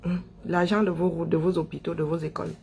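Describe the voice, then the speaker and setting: This online political commentator from Cameroon talks quickly in a level, high-leaning voice with vocal fry and a darkish tone. His monologue is impassioned and emphatic, full of rhetorical questions and repeated phrases, with slight noise in the background.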